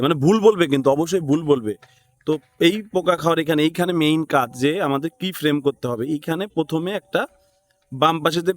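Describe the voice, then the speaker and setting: Bangladeshi man giving an informal tutorial. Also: fairly high pitch. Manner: thinks aloud, checks in with listeners. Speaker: tutorial instructor. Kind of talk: informal step-by-step screen tutorial.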